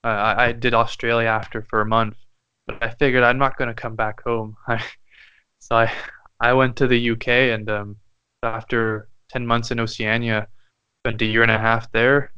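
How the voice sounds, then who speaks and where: Hesitant, smooth-voiced young man from Canada. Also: medium pitch, flat delivery, normal speed, pushed and bright, no echo, muffled recording. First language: French. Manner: hesitant, thoughtful, many fillers and restarts. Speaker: guest musician. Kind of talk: casual interview chat.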